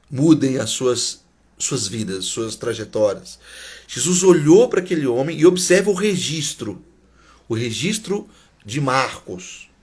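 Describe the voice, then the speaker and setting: Guy preaching a sermon, kinda breathy husky voice, repeats stuff for emphasis. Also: medium pitch. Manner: emphatic, repeats key phrases, drops to a near whisper.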